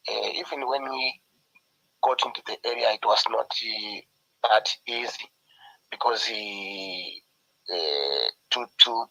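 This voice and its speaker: A man from Zimbabwe, hoarse with a flu, speaking as a journalist on a video call panel. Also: lowish voice, pushed and bright, low-quality recording. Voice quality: husky, gravelly. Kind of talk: online panel discussion.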